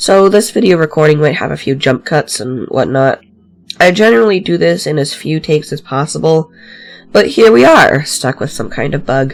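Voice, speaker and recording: The talking proceeds at a moderate pace. Behind it, music plays. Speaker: vtuber commentator and artist. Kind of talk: video commentary.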